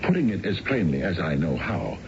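A man's voice: sits low, huge pitch swings, fairly quick, full character voice. An American actor playing a stuffy, proper male businessman in a radio drama, formal and a little hesitant. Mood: stuffy, affronted. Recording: dull, noisy old radio broadcast.

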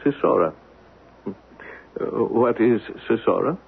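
A man's voice: lowish voice, animated, slow pace, vocal fry, breathy edge, exaggerated voice. A man acting an irritable, evasive sceptic in a 1970s radio drama, curt, dismissive and sardonic. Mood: impatient, dismissive. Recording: thin, phone-like old radio sound.

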